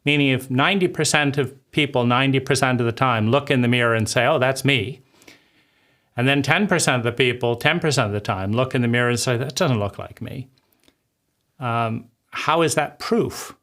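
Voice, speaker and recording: A man's voice: mid-range voice, moderate pace, a bit bright. A man hosting his channel, casually critiquing a book's argument with restarts and repeated rhetorical "right?". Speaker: host critiquing a book. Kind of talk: casual spoken commentary.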